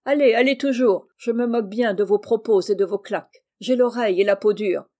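A woman reading the part of a rough, jolly carter with loud, rustic country speech. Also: medium pitch, fairly quick, close to an everyday voice. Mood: blustering.

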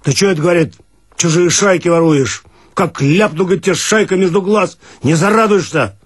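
A man's voice: high-pitched, fairly quick, slightly rough, dry recording, clean studio sound, pitched above the performer's own voice. A man voicing a belligerent, coarse male bather who threatens in a radio play. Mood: threatening. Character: belligerent naked man at the bathhouse.

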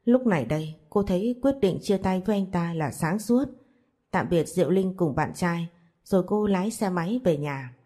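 A woman narrating a romance story in a steady, even reading. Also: on the low side, normal speed, husky.

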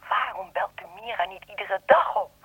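Radio play: solitary, generous female caller, raspy voice, insistent and reassuring, close dry sound. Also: mid-range voice, moderate pace, a bit bright, no room sound. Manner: persuasive, urging, reassuring. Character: lonely, insistent, generous woman on the telephone.

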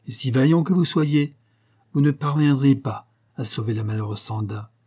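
A calm and wise Hindu guide speaks in a measured, solemn way, as a man reads him in an audiobook. The voice is husky and dark. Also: mid-range voice, close to an everyday voice.

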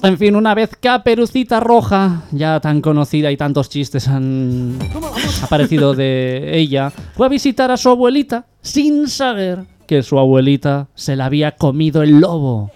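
A man's voice: a little high, normal speed, a little mellow, soft background music. Catalan man telling radio jokes. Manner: storytelling, slips into character voices. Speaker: radio show co-host. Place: radio studio.

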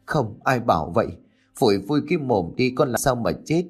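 A man voicing a humble, grieving old grandmother in a spoken ghost story, talking in a gentle, coaxing way. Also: medium pitch, sing-song, brisk, breathy edge, soft background music. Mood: tender, coaxing.

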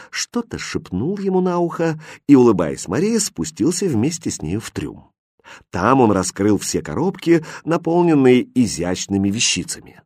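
A man narrating an audiobook fairy tale with expressive storytelling. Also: mid-range voice, breathy edge, dry recording, clean studio sound.

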